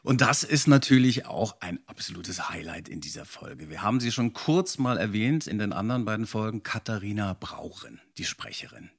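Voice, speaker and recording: Lowish-voiced man chatting as co-host. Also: lively intonation, moderate pace, vocal fry, hardly any pauses, breathy edge. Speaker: podcast co-host. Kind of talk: casual, inquisitive podcast chat.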